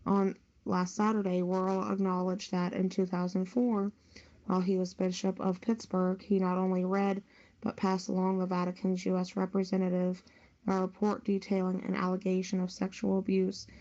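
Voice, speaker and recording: A woman's voice: fairly low pitch, level tone, moderate pace, mellow, highs cut off. A woman reading written news stories aloud on a podcast. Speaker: news story reader.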